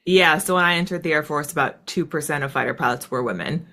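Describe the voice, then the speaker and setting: An American woman, a former military fighter pilot, speaks as an interview guest, telling stories in a casual, reflective way full of "like" and "right." Her voice sits low but sounds pushed and bright, and she talks fast.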